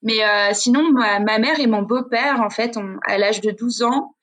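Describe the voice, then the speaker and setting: A woman's voice: on the high side, measured pace, a bit bright. Chatty slangy woman telling stories. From Switzerland. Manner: chatty, slangy storytelling with many restarts. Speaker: guest, freestyle skier. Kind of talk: casual podcast chat.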